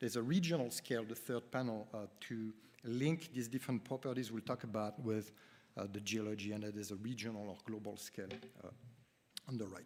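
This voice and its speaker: At a fairly quick pace, a man talks at a medium pitch with ordinary pitch variation. He leaves long, frequent pauses. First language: not English. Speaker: planetary scientist. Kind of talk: conference talk. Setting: conference with audience. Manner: halting, many fillers.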